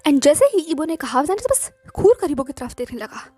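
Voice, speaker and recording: Brisk, high-voiced woman storyteller. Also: big pitch swings, warm tone, no echo, soft background music. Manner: brisk, conversational, mixing in English words. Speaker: author and narrator. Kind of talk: audiobook narration of a romance story.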